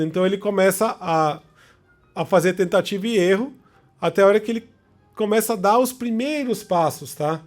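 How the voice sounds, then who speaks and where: High-pitched and conversational, a man with a Brazilian Portuguese accent delivers an informal explanatory lecture. He regularly checks in with his listeners through brief tag questions.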